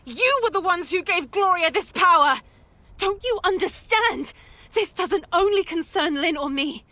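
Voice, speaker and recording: A defiant young heroine in a horror game. Her voice is very high and bright. She argues with urgent force. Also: expressive, a little slow, dry recording, heavily acted. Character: determined young woman, defiant and frightened.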